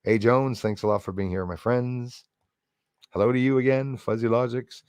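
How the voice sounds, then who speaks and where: A man's voice: medium pitch, steady tone, normal speed, darkish tone, clear, resonant tone, no echo, clean studio sound. A man hosting a livestream, talking in a rambling, chummy, conversational way to his viewers. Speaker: livestream host greeting viewers in chat. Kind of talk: casual livestream chat.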